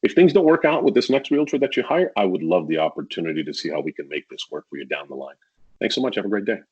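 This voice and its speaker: A man talking candidly as a guest on a casual podcast, acting out sales pitches as he tells stories. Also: very animated, fast talker, a little mellow, breathy edge, lo-fi sound. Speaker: podcast guest, real estate agent.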